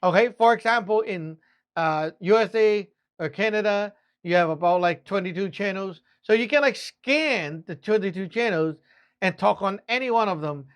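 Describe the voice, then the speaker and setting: A Taoist master from Hong Kong talks in casual explainer fashion, with a clear Hong Kong accent and a Cantonese speaker's English. The delivery is loose and conversational, often checking in with the listener mid-thought. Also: medium pitch, normal speed. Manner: chatty and loose, often asks "right?".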